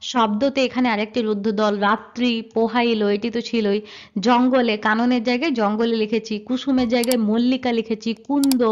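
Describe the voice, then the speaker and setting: A woman teaching a slide-based grammar lesson. She explains step by step and asks questions that she then answers herself. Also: on the high side. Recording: dull lo-fi sound.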